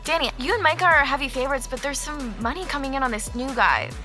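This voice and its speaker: Bright, lively young girlfriend. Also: sits high, quick pace, soft background music. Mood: eager. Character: savvy young woman, racer's supportive girlfriend. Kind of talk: acted audio drama dialogue.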